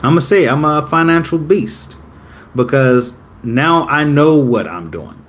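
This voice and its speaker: A man's voice: a little high, animated, measured pace. A man in his late twenties, talking casually to camera in a rambling way that often corrects itself. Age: 20s. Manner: rambling, self-correcting, upbeat about himself. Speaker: vlogger.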